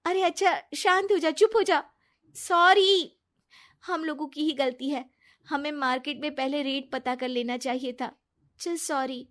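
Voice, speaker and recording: Cartoon voice: high, earnest young wife, pleading tone, a woman doing it. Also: measured pace, a bit bright. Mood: soothing. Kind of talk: cartoon story voice acting.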